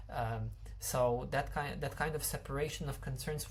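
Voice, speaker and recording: A man talks at a moderate pace with a Polish accent. Room echo is audible. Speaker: game developer. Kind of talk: tutorial. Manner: halting, many filler words.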